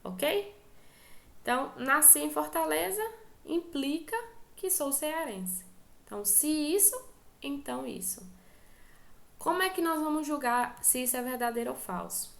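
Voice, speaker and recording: A woman's voice: high voice, animated, a little slow, creaky, pauses often, a bit bright, reverberant. A woman teacher with a Brazilian Portuguese accent, giving an online class lecture and patiently explaining step by step while checking in with her students.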